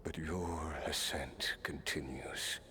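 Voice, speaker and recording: An actor playing a grave, tormented immortal warrior in a fantasy video game, speaking in a measured, formal, dramatic way. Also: male voice, extremely low pitch, fairly even intonation, sharp tone, slight background noise, full character voice. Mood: weary, resigned. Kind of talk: scripted video game voice acting.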